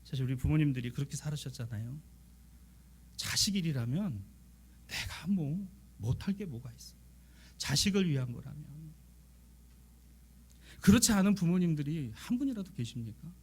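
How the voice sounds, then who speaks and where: High-voiced male pastor preaching with passion. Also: animated, moderate pace, pauses often, husky. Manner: impassioned preaching that acts out the voices of biblical figures; swings between soft, near-whispered lines and loud, emphatic ones. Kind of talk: sermon.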